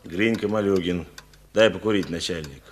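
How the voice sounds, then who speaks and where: An actor playing a beaten, defiant horse thief in a Russian radio drama. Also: male voice, moderate pace. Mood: weary, battered. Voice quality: low-pitched. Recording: noisy old radio play recording.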